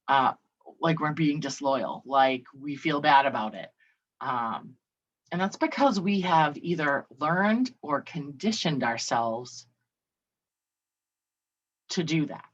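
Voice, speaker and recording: Low-voiced woman, casual solo podcast host, chatty and a little profane; slightly dull recording. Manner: chatty, swears, acts out quoted voices. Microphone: video call.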